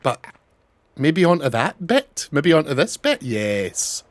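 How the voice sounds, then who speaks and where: A chatty young man with a mild Scottish accent talks through a game stream in a fairly high voice. He is quick to get excited, swears casually and chats to his viewers directly. The sound is dry and close, with almost no room. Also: no echo. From Scotland. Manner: chatty and excitable, swears, reads out chat names. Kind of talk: casual live-stream gameplay chat.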